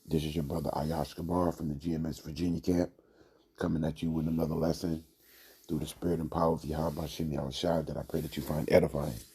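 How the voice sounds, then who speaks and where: A man giving an informal religious lesson, hoarse from a cold, talking in a drawl with many fillers. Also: a bass voice, flat delivery, quick pace, warm tone. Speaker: religious teacher.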